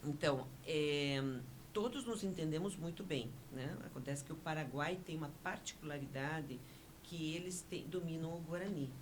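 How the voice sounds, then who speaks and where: Woman with native Spanish, noisy recording. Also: sits low. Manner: explanatory, measured. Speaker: interview guest, honorary consul. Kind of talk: radio interview conversation.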